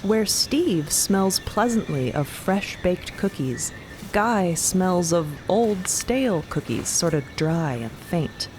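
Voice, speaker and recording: A woman's voice: on the low side, big pitch swings, slow pace, noisy background. A woman narrating a fiction podcast in a dramatic storytelling style.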